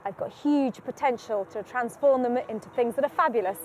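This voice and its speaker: A woman's voice: a little high, fairly quick. A woman presenter chatting casually and enthusiastically outdoors at a recycling centre. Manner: bubbly and enthusiastic. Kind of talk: casual on-location chat.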